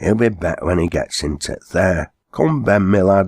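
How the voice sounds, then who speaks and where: A man does a raspy, put-on character voice with a strong Lancashire accent, very deep and low in pitch at a moderate pace, recorded dry and close with no echo. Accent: broad Lancashire dialect. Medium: read story.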